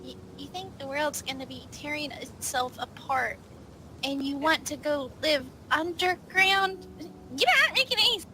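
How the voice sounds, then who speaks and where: A woman's voice: high-pitched, measured pace, sharp tone, faint music behind. A woman playing a tabletop roleplay, improvising casual, sceptical in-character dialogue. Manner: sceptical questioning.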